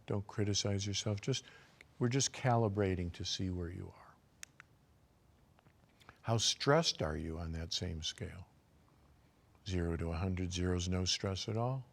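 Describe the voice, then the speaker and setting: An older man, a physician, giving a calm, measured health lecture and guiding listeners through self-assessment questions. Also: low-pitched, creaky.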